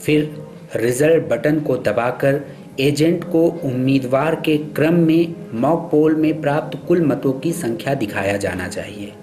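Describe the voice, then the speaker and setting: A man reading scripted instructional narration for a training film in a formal, measured, instructive way. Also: on the high side, lively intonation, darkish tone. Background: background music.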